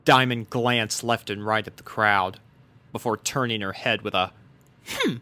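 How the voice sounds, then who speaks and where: A man's voice: fairly low pitch, steady tone, moderate pace, pushed and bright. A man reading a fan fiction story aloud as its narrator, in scripted storybook narration. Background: background music.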